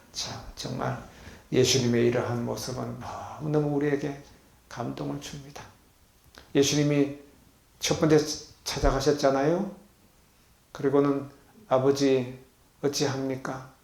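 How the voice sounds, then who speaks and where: A man preaching a sermon as a pastor to a congregation at a healing retreat center. He asks the congregation questions and swings between loud and soft. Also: mid-range voice, little pitch movement, a little slow, creaky, pauses often. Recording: echoey hall.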